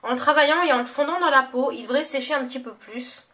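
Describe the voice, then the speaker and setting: A woman's voice: sits high, fast talker, pushed and bright, recorded from a distance. A young woman talking casually in a makeup haul vlog, chatty and gushing, with many fillers and self-corrections. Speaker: beauty vlogger.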